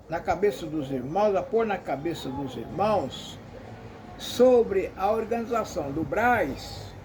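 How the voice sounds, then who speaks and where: A man's voice: high-pitched, darkish tone, a little hiss or hum. A Brazilian man giving an emphatic, repetitive commentary monologue, often calling out to his listeners.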